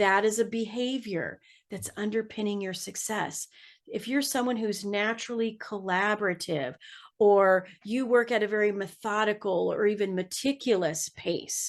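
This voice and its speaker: A woman with a fairly high pitch talks at a moderate pace with ordinary pitch variation against a quiet background. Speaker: career coach and podcast host. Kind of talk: webinar presentation. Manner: animated.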